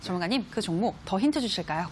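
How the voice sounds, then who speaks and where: A woman hosts a stock broadcast in a smooth, scripted announcer manner. Her pitch moves in a lively way, and a faint noise sits under the recording. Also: quick pace. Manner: polished, scripted announcer delivery. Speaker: program host. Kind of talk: broadcast hosting.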